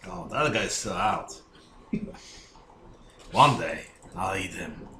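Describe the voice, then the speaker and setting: A brawny, dim god, played by a man at a game table brags in short deadpan bursts. The delivery is very slow, in an echoey room with slight noise behind it. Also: deep voice, pitched below the performer's own voice, heavily acted. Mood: boastful. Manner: terse, deadpan bragging. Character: boastful, dim, brawny gold-headed god. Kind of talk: tabletop role-play.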